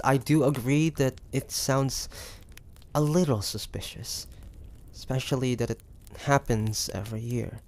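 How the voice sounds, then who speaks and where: A man voicing a wary, stubborn demon hunter from the 1850s in a dramatic audio roleplay, with halting, pointed delivery. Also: mid-range voice, a little mellow. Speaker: voice actor.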